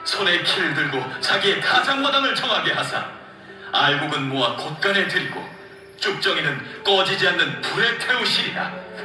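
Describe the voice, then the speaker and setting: A man's voice: high-pitched, sing-song, moderate pace. An actor playing John the Baptist, a fervent male prophet, declaiming solemn scripture in a dramatized audio Bible. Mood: proclaiming. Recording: echoey, played from far off through speakers. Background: loud music.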